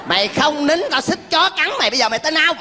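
An actor playing a short, touchy old master of the house in a stage comedy sketch, scolding in a bossy, blustering way. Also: male voice, very high-pitched, expressive, fast. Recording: live stage with crowd noise.

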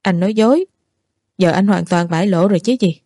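A woman's voice: medium pitch, brisk, dark tone, no room sound, studio quality, close to an everyday voice. A woman voicing a drunk, petulant young man who accuses his lover of not caring, in a storybook reading. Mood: accusing. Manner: sulky, accusing reproaches.

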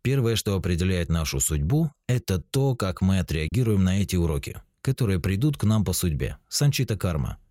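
A man in his forties calmly explaining spiritual ideas, speaking straight to the listener as narrator of a self-help book. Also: sits low, a little fast, few pauses, no room sound, clean studio sound. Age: 40s. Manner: calm, explanatory, addresses the listener directly.

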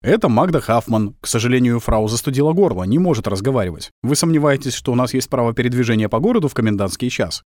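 Мужчина-чтец озвучивает молодого советского лейтенанта-разведчика, который говорит властно, а порой изображает надменного офицера. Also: male voice, medium pitch, lively intonation, fast, hardly any pauses, a little mellow, no echo, close to an everyday voice. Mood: indignant. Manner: commanding, mock-arrogant when posing. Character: brisk young male Soviet scout lieutenant.

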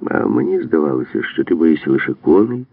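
A man playing a calm, dry-humored commando leader. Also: extremely low pitch, a little fast, creaky, no room sound, exaggerated voice. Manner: gentle, reassuring. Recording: dry, phone-like narrow band.

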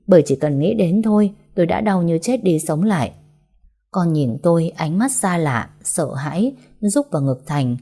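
A woman reads a first-person story aloud with a sorrowful, heartfelt delivery. Her voice is low-pitched and mellow, soft rather than bright. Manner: sorrowful, heartfelt emotional reading. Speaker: narrator.

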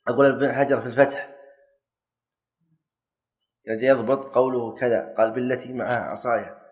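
A man's voice: medium pitch, fairly even intonation, brisk. A man teaching a classroom lesson, quizzing and correcting students and joking lightly. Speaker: teacher of Islamic jurisprudence.

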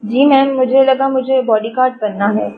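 Brief: eager, deferential young man, read by a woman, high-pitched, tinny audio. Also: steady tone. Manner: polite, deferential. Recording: tinny phone-like audio, faint hiss.

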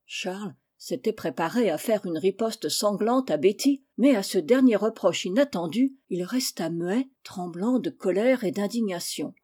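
A woman reading a classic novel aloud as an audiobook narrator, expressive and giving each character a voice. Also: mid-range voice, a little slow, hardly any pauses, husky.

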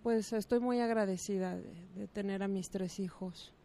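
A woman's voice: mid-range voice, steady tone, normal speed, mellow, slight background noise. A woman, a guest and mother on a radio talk show, thoughtful and searching for words.

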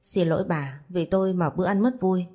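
A woman's voice: lowish voice, a little fast, dark tone, close to an everyday voice. A woman voicing a blunt, gossipy young woman, a sister, in a storybook reading. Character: sharp-tongued young woman, the father's sister.

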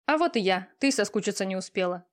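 A woman voicing a pushy, talkative young female friend who teases and lectures loudly. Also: medium pitch, expressive, fast talker, close to an everyday voice. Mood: bossy. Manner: loud, teasing, talkative.

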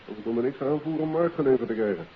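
A male actor plays a dryly genial police inspector in a vintage radio mystery. His mid-range male voice is matter-of-fact and unhurried in manner. The sound is muffled, with light hiss. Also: medium pitch, natural voice. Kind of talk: 1950s Dutch radio drama acting. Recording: hissy, muffled old radio recording.

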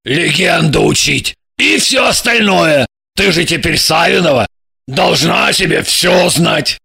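A man's voice: on the high side, lively intonation, unhurried, exaggerated voice. A man voicing a blunt, impatient male spy handler in his thirties, reading an audiobook. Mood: irritated. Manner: blunt, impatient, gravelly and shouting.

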